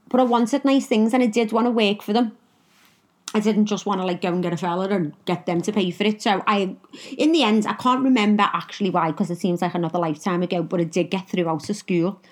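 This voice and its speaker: Blunt Scouse woman telling stories. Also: mid-range voice. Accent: Liverpool. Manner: blunt, candid, swears freely. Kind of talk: personal storytelling monologue.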